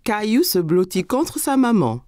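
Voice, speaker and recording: A woman narrating a French-dubbed children's cartoon like a simple, expressive story for small kids. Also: mid-range voice, measured pace, no echo.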